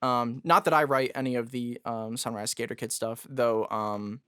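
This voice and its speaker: A man with a raspy, somewhat high voice, chatting loosely as a podcast guest. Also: steady tone, moderate pace, a bit bright, no room sound, studio quality. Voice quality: raspy, higher voice. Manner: loose and jokey, lots of fillers. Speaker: guest musician. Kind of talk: casual podcast conversation.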